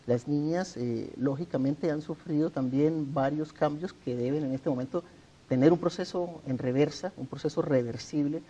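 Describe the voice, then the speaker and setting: A middle-aged man from Colombia with a Colombian accent, answering interview questions in a measured, earnest way. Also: fairly high pitch, mellow, low-quality recording. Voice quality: measured, earnest, formal address. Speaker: interview guest, author. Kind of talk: sit-down TV interview.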